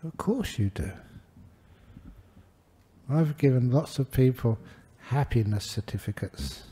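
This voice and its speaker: An older man gives an unhurried Buddhist talk with gentle humor. His voice sits at an everyday pitch but sounds deeply dark and mellow. His delivery is warm in pace and easygoing. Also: expressive, husky. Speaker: Buddhist monk giving a dharma talk. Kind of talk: relaxed dharma talk with anecdotes.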